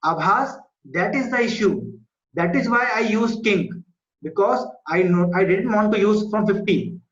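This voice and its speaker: This high-pitched man speaks unhurriedly, with a South Asian accent, while teaching a maths class at an online school. He explains step by step, repeats himself, and checks with short questions that students understand. The audio from this online video class in an indoor room is muffled and echoey.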